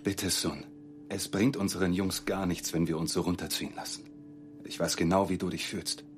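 An actor playing a caring husband and worried father in an audio drama, gentle and reassuring. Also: deep voice, steady tone, normal speed, close to an everyday voice. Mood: coaxing, concerned.

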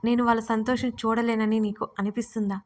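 A woman's voice: fairly high pitch, little pitch movement, brisk, darkish tone, lightly acted. A woman voicing a moody, teasing young woman who speaks curtly on a late-night call. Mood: petulant. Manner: curt and petulant.

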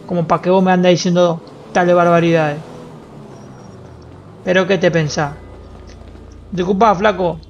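A man's voice: high-pitched, steady tone, a little slow, gravelly, long pauses, lo-fi sound, slight background noise. A young man with an Argentine accent, streaming a game and joking with crude slang. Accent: Rioplatense Spanish. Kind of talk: casual gameplay commentary.

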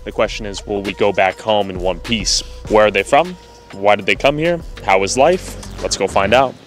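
A man's voice: fairly low pitch, normal speed, faint music behind. A young man asking probing questions on a city street, holding a handheld mic. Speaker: street interviewer. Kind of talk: street interview for a documentary vlog.

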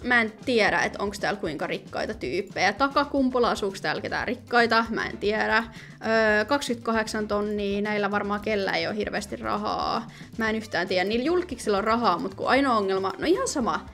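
A young woman commenting casually on her gameplay, chatty and excitable, often pleading and reading out game options. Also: medium pitch, soft background music. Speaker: gaming video host.

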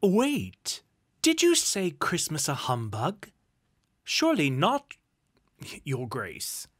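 A man's voice: a little high, huge pitch swings, slow, heavily acted. A man voicing a cheerful, good-hearted young nephew in a storybook, polite, earnest and a little mischievous. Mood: merry, teasing.

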